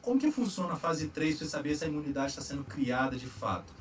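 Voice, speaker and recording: A man with a Brazilian Portuguese accent hosting a casual chat, explaining vaccine trials in a relaxed, slangy way with frequent tag questions. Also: on the high side, fast talker, recorded from a distance, faint music behind. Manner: relaxed, slangy, lots of "tá?" tags. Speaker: host answering viewer questions on vaccines.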